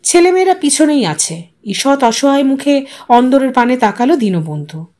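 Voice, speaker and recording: A woman storyteller reads literary fiction dramatically. Her voice is high, and her pitch moves in a lively, animated way through the narration. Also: normal speed.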